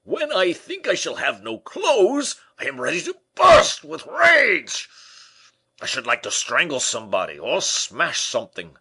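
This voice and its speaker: A man voicing a vain, hot-tempered middle-aged nobleman in an audiobook, pompous and given to loud indignant outbursts. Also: mid-range voice, sing-song, brisk, few pauses, slightly rough, pitched above the performer's own voice, exaggerated voice. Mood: furious. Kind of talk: audiobook character voice.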